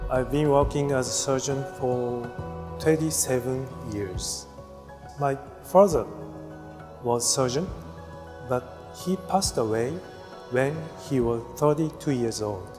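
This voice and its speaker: A man with a Japanese accent speaks fairly slowly at a medium pitch with lively intonation and long, frequent pauses, clear music playing in the background. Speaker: general surgeon. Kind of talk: interview answer. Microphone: lapel.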